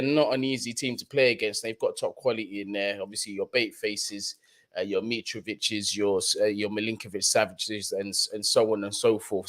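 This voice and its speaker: A young man with a London accent hosts a live football stream and talks to his viewers in easy, slang-filled chat. He repeats his points for emphasis, and his voice sits at an ordinary middle pitch for a man. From London, England. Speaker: football channel host.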